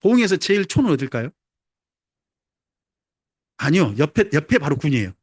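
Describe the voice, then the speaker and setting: A man's voice: a little high, big pitch swings, brisk, breathy edge, no echo, clean studio sound. A man, a pastor preaching a sermon in a conversational, humorous way and putting questions to the congregation. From Jeolla, South Korea.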